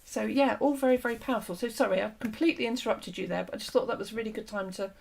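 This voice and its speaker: Host: woman, gravelly, slightly hoarse, earnest explainer, conversational interview. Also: a little high, racing. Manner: earnest, explanatory, with frequent fillers and restarts. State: losing her voice. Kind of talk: conversational discussion.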